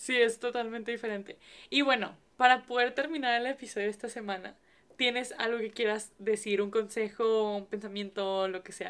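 On a very clean recording with a silent background, a woman talks at a moderate pace in an ordinary speaking voice. Her pitch is fairly high, her intonation fairly even, and her loudness swings widely. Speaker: student podcast host. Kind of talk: casual chat.

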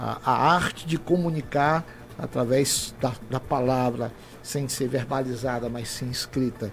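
Fairly slow in pace, a man speaks at a medium pitch. His intonation stays fairly even. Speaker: singer-songwriter. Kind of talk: radio interview. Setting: studio.

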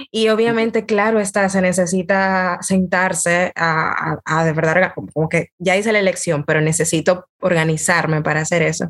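A woman's fairly low-pitched voice, a normal speaking voice, running with hardly any pauses. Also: fairly even intonation, moderate pace. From Dominican Republic. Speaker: podcast host. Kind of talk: interview.

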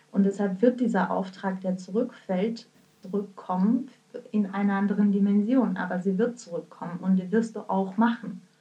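A woman of medium pitch talks at a moderate pace with fairly even intonation while music plays in the background. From former Soviet Union. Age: 30s. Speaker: podcast co-host. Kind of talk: casual chat.

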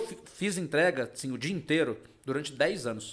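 A man is speaking. His pitch swings very widely. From Campinas, São Paulo state, Brazil. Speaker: motorcycle courier and internet comedian. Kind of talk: casual chat.

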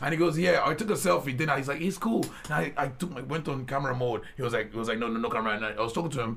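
Hardly pausing, a man with a fairly high pitch talks at a very fast pace with lively intonation, amid noticeable background noise and audible room echo. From Nigeria. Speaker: podcast co-host. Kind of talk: casual chat.

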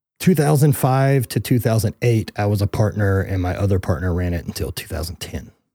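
Speaking at a fairly quick pace with hardly any pauses, a man with a fairly low, somewhat breathy voice and a dark, mellow tone uses lively intonation in a very clean recording with a silent background. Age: 30s. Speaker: Highland Games athlete and entrepreneur. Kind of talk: casual chat.

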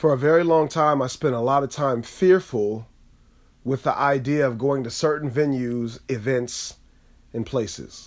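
A man with a normal speaking voice talks at a moderate pace with ordinary pitch variation. The recording is very clean, its background silent. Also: medium pitch for a man. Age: 30s. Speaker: motivational podcast host. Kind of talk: motivational monologue.

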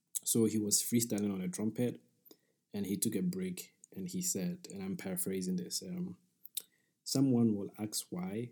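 A man's dark, mellow tone with a Ghanaian accent, lively intonation and a moderate pace. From Ghana, Kumasi. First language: Twi. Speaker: podcast host. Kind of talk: scripted narration. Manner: hesitant, with fillers.

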